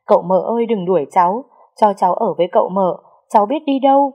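A woman voicing a frail young woman who cries and pleads in a slow, tearful voice. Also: medium pitch, lively intonation, dark tone. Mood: tearful pleading. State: crying.

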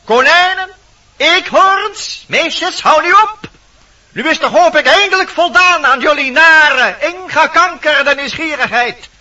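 Bossy little dwarf, extremely high piercing voice, indignant theatrical delivery, distant muffled old recording. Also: male voice, slow pace, sharp tone, exaggerated voice. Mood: scolding, exasperated. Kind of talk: theatrical Dutch fairy-tale radio play.

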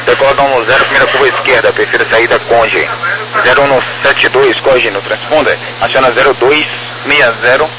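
A man working as an air traffic controller, reading out clearances in clipped, procedural phraseology over a crackly radio. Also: medium pitch, steady tone, a little fast. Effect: crackly aviation radio. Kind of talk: rapid radio clearance readouts in aviation phraseology.

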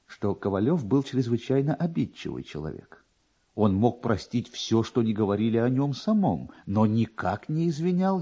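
Man, literary narrator, expressive storytelling, dark mellow timbre, slightly husky, very animated intonation. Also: on the low side, dull audio. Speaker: narrator, reader.

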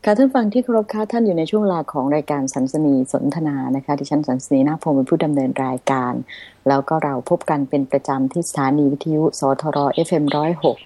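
A woman hosting a radio talk show, speaking politely and softly with many courteous particles. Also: deep voice, quick pace. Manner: polite, soft-spoken, frequent polite particles. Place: radio studio.

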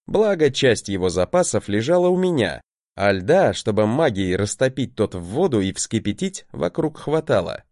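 A man's voice: medium pitch, very animated, normal speed, a little mellow, no room sound, clean studio sound. A man giving a wry, conversational first-person audiobook narration.

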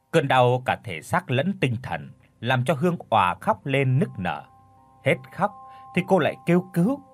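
Husky guy reading an audio story, lively voice, soft music behind. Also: medium pitch. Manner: dramatic, expressive. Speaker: audiobook narrator. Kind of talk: storytelling narration.

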